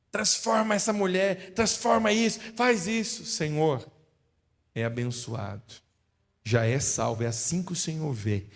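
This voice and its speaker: A man with a Brazilian Portuguese accent preaching a sermon as pastor, firing rhetorical questions and swinging between loud and hushed delivery. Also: fairly high pitch. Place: church. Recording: long reverb of a church hall.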